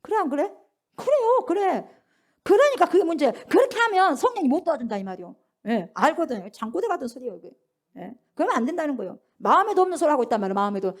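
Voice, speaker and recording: A middle-aged woman pastor preaching a sermon, acting out pleading prayers and sharp rebukes. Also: high-pitched, big pitch swings, fast talker.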